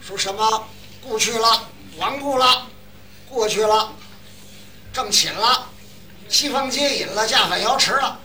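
A man performing a comic crosstalk routine, telling stories in an animated way and mimicking dialects. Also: high voice, a little slow, pauses often, slight background noise. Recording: distant mic, live audience.

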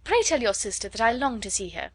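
A woman's voice: fairly high pitch, very animated, fast, husky, dry recording, heavily acted. A woman reading as a gushing, fawning society lady. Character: flattering young society lady, eager to please.

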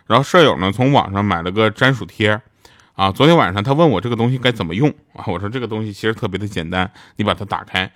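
A man's voice: fairly low pitch, quick pace, a bit bright, no room sound, clean studio sound. A man who voices radio dramas, telling funny stories in a casual, chatty monologue and laughing at his own punchlines. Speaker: radio drama voice actor promoting his show.

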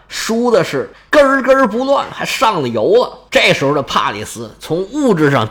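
A man retelling an epic as a lively, colloquial story, dramatic and playful, slipping into character voices. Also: high-pitched.

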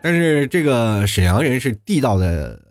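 A man hosting a comedic talk show, reading listener messages and riffing on dialects in a chatty, quick style with frequent tag questions. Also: medium pitch. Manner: chatty, fast, animated, frequent "是吧" tags and chuckles.

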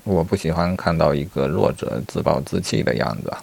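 A man's voice: rumbling low, animated, a little fast, creaky, darkish tone, slightly rough, exaggerated voice. A man telling a story and voicing a blunt, mocking male wolf who scorns the weak.

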